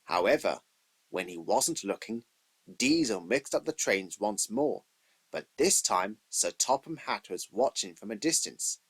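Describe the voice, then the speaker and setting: Husky male storybook narrator. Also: lowish voice, lively intonation, measured pace, fairly bright tone. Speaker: narrator of a children's train story. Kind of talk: scripted storybook narration, read in takes.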